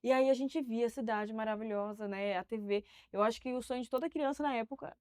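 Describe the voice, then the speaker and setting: Lively woman host with a Florianópolis accent. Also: a little high, fast, dry recording, studio quality. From Santa Catarina, Brazil. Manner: lively, laughs often, playful. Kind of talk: casual interview chat.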